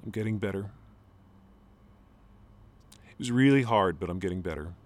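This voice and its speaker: A man playing a grieving adult son talking to his father in an intimate, halting monologue whose voice sometimes breaks high. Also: a little mellow, close to an everyday voice. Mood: tender. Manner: halting, restarts, voice breaking into high strained pitch.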